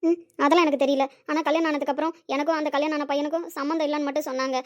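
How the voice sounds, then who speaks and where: A woman's voice: sits high, fairly even intonation, racing, muffled recording, lightly acted. A woman voicing a desperate young woman who pleads urgently for money in an amateur audio drama. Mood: pleading.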